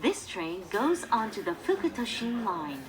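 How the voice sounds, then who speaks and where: A woman reading scripted subway announcements in measured, carefully enunciated phrases over a train's public-address speaker. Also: very animated, over loud music. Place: inside subway train cars. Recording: distant echoey PA recording with loud train noise. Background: loud train rumble and ambience.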